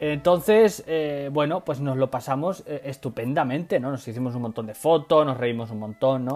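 Over music in the background, a man talks in an animated tone at a fairly high pitch. His pace is moderate, with hardly any pauses. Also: ordinary pitch variation. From Extremadura, Spain (Badajoz). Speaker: travel podcaster. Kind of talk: casual monologue.

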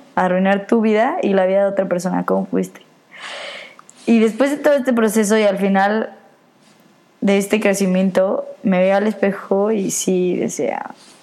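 A woman talks at a moderate pace with very even loudness, a medium pitch and fairly even intonation, while noticeable background noise is heard. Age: 20s. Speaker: podcast guest. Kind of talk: casual interview conversation.

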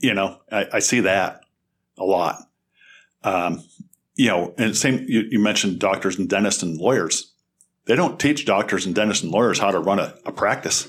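A man with an American accent speaks at a moderate pace in a fairly low pitch, with ordinary pitch variation. He leaves long, frequent pauses. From US Northeast (Vermont). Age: 60s. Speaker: business owner. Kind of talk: interview. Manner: hesitant, many fillers.

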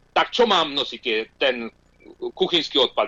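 The sound is dry and close, without any echo. It's a man's voice. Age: 40s. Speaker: hunter and politician. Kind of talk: radio interview. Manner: animated.

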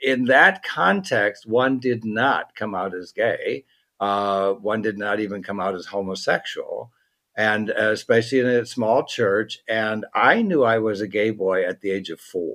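Speaking in a Midwestern American accent, a man of medium pitch goes at a fairly slow pace with ordinary pitch variation. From US Midwest, southwestern Michigan. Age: 70s. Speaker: retired English teacher. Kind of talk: interview.

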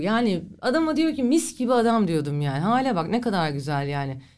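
A woman's pitch swings very widely. She keeps a moderate pace. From Akşehir, Konya, central Turkey. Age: 40s. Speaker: actress and musician. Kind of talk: casual interview chat.

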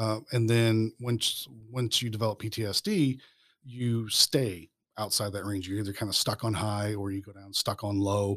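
A man has a plain, everyday voice with an American accent, speaking at a fairly slow pace. His intonation is fairly even, but his loudness swings widely. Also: fairly low pitch for a man, very clean recording, silent background. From US Midwest, southeast Missouri. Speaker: university lecturer and war veteran. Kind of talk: podcast interview.

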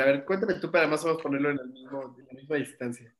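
A man at a fairly quick pace. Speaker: podcast co-host and foundation founder. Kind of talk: casual chat.

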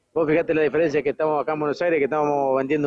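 A man talks in a fairly high pitch. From Argentina, Santa Fe province. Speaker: fishing cooperative president. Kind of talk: street interview. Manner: halting, many repetitions.

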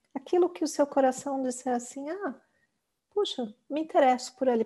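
Intonation is lively, and the tone is dark and mellow. The pace holds moderate. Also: woman. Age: 40s. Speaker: spiritual teacher. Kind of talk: live Q&A talk. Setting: livestream. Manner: informal, conversational.

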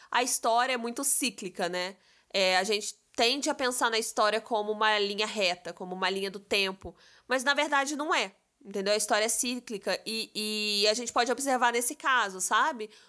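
A woman's fairly high, bright and sharp voice, animated in tone, with ordinary pitch variation and a moderate pace, on a very clean recording against a silent background. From Rio de Janeiro, Brazil. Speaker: podcast co-host. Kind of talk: casual chat.

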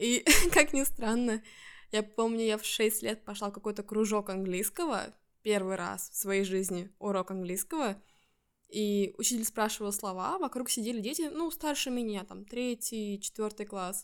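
This woman has a normal speaking voice, fairly high in pitch, with ordinary pitch variation at a moderate pace. The recording is very clean, with a silent background. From Estonia, Russian-speaking family, small town. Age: 20s. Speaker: podcast co-host, translator. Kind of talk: casual chat.

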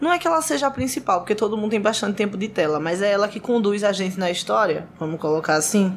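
A woman talks at a very fast pace with hardly any pauses, her medium pitch making very wide swings. Noticeable background noise runs underneath. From Brazil. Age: 20s. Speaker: podcast co-host. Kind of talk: casual chat.

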